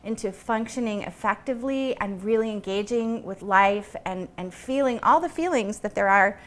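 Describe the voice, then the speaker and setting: A woman's voice: mid-range voice, normal speed. A woman giving earnest, explanatory answers as an interview guest in a conversational style. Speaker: guest, painter and creativity consultant.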